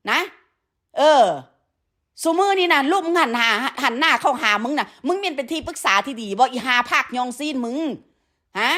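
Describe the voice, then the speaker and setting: Woman, Isan accent, high voice, angry online rant, scolds and insults, punctuates with "huh?" and "yeah.". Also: a bit bright. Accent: Isan (northeastern Thai). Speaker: online content creator. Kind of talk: angry livestream rant to viewers.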